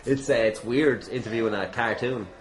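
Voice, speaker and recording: An Irish man hosts a podcast from inside a busy gym, acting as a casual interviewer who is teasing, irreverent and given to swearing. He speaks at normal speed in a mid-range voice, keeping the chat casual and jokey.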